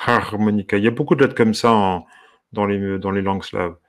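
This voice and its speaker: A man, a harmonica teacher, giving casual commentary as he browses, curious and amused, musing aloud with soft exclamations. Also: lowish voice, fairly even intonation, brisk.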